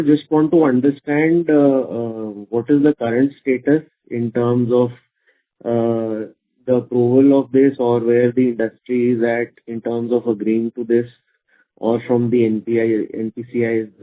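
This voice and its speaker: Hesitant, even-toned man on a phone line. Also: mid-range voice, a little slow. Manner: hesitant, roundabout, heavily hesitating. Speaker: analyst asking questions. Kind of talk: earnings call question. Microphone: conference phone call. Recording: narrow tinny phone line.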